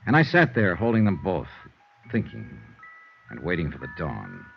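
Very low, steady private investigator narrating; expressive, old-broadcast sound. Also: male voice, moderate pace, creaky, faint music behind, heavily acted. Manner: steady, reassuring, hushed when comforting. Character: tough but tender male private investigator. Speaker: narrator and lead. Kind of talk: 1950s radio drama narration. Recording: dull old radio broadcast, faint hiss.

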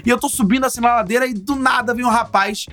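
A man telling a travel story in casual chat, swearing often and bursting into shouted voices. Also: very high-pitched, fairly even intonation, fast, soft background music.

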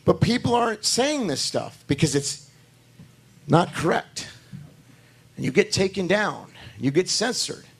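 Hoarse male pastor, high-pitched, repetitive and emphatic preaching style. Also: sing-song, a little slow, pauses often. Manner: talks to the congregation directly, asking for amens. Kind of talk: sermon.

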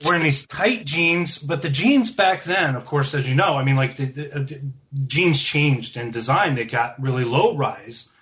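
A man's voice: fairly high pitch, moderate pace, fairly bright tone. A man co-hosting a podcast, rambling and restarting as he recalls old commercials. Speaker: podcast co-host. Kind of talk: casual chat about old commercials. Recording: dull lo-fi audio with hiss.

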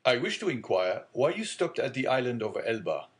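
A man's voice: mid-range voice, very animated, normal speed, lightly acted. A man voicing a genial, fatherly middle-aged shipowner.

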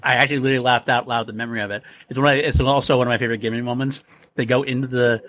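A man's voice: medium pitch, steady tone, rapid-fire, a bit bright. A man co-hosting a podcast, chatting animatedly about a film, laughing often and acting out characters' lines. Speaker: podcast co-host. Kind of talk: casual film discussion.

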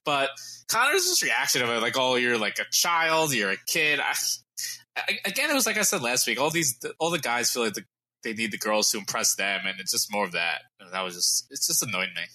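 A man co-hosting a casual podcast with a wry, joking manner, often backing up and restarting his thoughts. His voice is very bright and pointed, and his pitch swings widely. He sounds like an ordinary chatty co-host. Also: expressive, a little fast, rough recording. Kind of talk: casual recap chat.

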